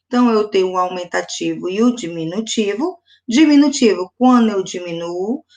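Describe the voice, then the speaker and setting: A woman's voice: mid-range voice, animated, normal speed, darkish tone, highs cut off. A Brazilian woman teacher giving a recorded lesson to young children, patiently breaking words into syllables. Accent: Brazilian Portuguese. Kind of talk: recorded classroom video lesson.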